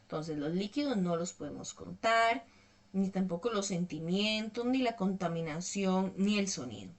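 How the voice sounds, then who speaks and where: A woman's voice: medium pitch, animated, moderate pace. Patient woman teaching English. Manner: patient, explains step by step with frequent "¿verdad?". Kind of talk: online tutoring lesson.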